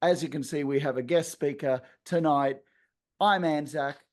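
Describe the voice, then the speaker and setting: An Australian man hosting a sports podcast, hoarse after losing part of his voice, introducing the show like an announcer. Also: a little high, normal speed. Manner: showman-style announcer intro, lots of yeah. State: hoarse, voice partly lost. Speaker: podcast host. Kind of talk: casual sports chat.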